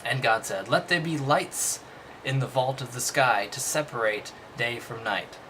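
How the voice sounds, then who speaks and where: A man's voice: medium pitch, unhurried, bright, forceful tone, slight background noise. A man reading a text aloud and commenting casually, with dry, skeptical, dismissive asides. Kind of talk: casual commentary between read-aloud passages.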